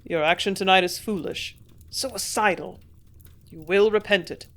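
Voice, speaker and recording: Storybook villain, read by a woman: harsh, forceful, mocking man. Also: mid-range voice, measured pace. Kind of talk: audiobook character voice.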